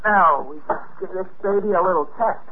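A man's voice: high voice, normal speed, close to an everyday voice. A man acting a cocky, scheming teenage boy in a 1950s science fiction radio drama, with an eager, slangy delivery. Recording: tinny, noisy 1950 radio recording.

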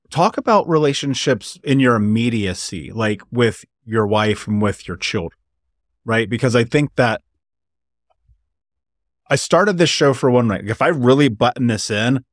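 A man's voice: mid-range voice, dry recording, studio quality. A man hosting a podcast, talking in a reflective, confessional way and pressing hard on the points he cares about. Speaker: podcast host. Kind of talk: casual interview chat.

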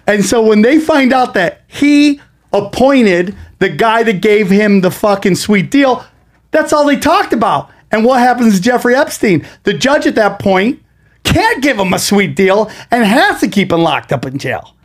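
A man's voice: sits high, big pitch swings, unhurried. Profane, ranting male comedian guest. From United States. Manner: profane, heated ranting with frequent swearing. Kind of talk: casual podcast conversation.

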